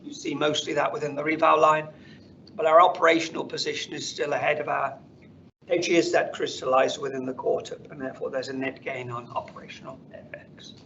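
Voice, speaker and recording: Corporate finance guy doing an earnings call, measured, croaky fry in his voice, kinda muffled lo-fi line with a bit of noise. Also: a little high, fairly even intonation, sharp tone. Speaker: company finance executive. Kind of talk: earnings call slide presentation. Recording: dull conference call audio, faint noise.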